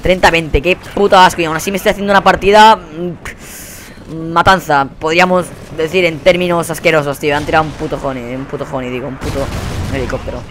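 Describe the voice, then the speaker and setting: A young man with a Spain Spanish accent giving live gameplay commentary. He rants in a profane, exasperated way and often bursts into yelling. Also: on the high side, fairly even intonation, fairly quick, slight background noise. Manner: profane, exasperated ranting with sudden yelled outbursts. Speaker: gaming channel host.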